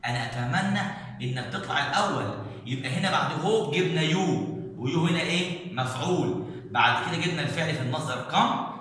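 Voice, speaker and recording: An Egyptian-accented man gives a recorded English lesson in a hard, bright voice. He races through explanations and then slows down to spell out and repeat each English word. The room is echoey with long reverb and a faint hiss behind. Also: on the high side. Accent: Egyptian Arabic. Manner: fast explanations, English words read slowly and repeated. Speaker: English teacher.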